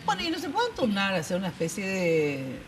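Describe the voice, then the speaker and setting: A woman's voice: mid-range voice, huge pitch swings, fairly quick, a little hiss or hum. A woman hosting a talk show, asking playful questions and reading ads live. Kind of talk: casual chat and live ad read.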